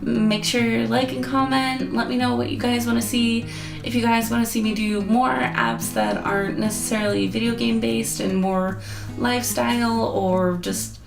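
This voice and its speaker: Young woman vlogger, hoarse and gravelly, earnest chatty review over guitar backing. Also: a little high. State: losing her voice. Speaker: app reviewer. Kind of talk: casual review vlog. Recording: echoey room with guitar music.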